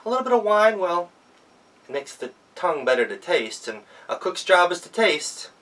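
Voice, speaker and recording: A man's voice: high voice, very animated, moderate pace, fairly bright tone, recorded from a distance, voice pushed up. A man voicing a sly, food-loving woman cook from a folktale, chatty and self-indulgent, with a hesitant, conspiratorial way of talking. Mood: self-satisfied musing.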